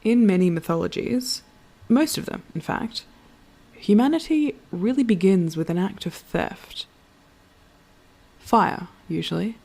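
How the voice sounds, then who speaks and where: A woman playing a reflective, literate storyteller in a scripted audio drama, musing in a measured, thoughtful way. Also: mid-range voice, lively intonation, gravelly, darkish tone, slight background noise.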